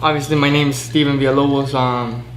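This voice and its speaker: A man's voice: mid-range voice, fast, reverberant, a little hiss or hum. A man in his twenties from Southern California, a pro boxer talking casually as a guest with lots of fillers. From Southern California, USA. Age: 20s. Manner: relaxed, fillers, flat delivery. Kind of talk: casual interview.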